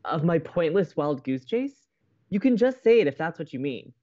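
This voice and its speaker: An actor playing a moody, theatrical young college radio co-host in a romantic comedy podcast, a hopeless romantic. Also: male voice, fairly high pitch, big pitch swings, moderate pace, warm tone, lo-fi sound. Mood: sulky, subdued. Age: young adult.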